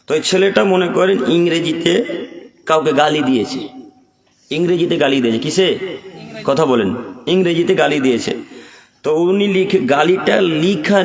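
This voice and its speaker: Man, preacher, from West Bengal, high-pitched, rhetorical questions, chanted Arabic verses, live crowd. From West Bengal, India. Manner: fires rhetorical questions and answers them himself; chants Arabic verses, then explains them. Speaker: Islamic preacher. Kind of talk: sermon at a religious gathering. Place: religious gathering.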